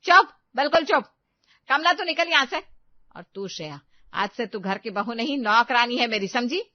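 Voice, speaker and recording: For a Hindi cartoon story, a woman plays a strict, bossy middle-aged mother-in-law who scolds and issues orders in a commanding tone. Her voice is a little high and close to everyday speech, at a moderate pace, recorded with no echo but with the highs cut off.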